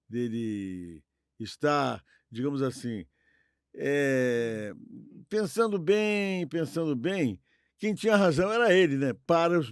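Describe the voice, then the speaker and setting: An older man with a Brazilian Portuguese accent chatting casually as a podcast co-host, halting and repeating words, often seeking agreement. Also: medium pitch, smooth, no room sound, clean studio sound. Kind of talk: casual chat.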